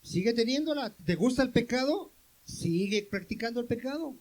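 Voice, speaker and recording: A man's voice: very high voice, lively intonation, moderate pace, a little mellow, rough recording. A man preaching a sermon as pastor, firing questions at the congregation, answering them himself and calling for amens.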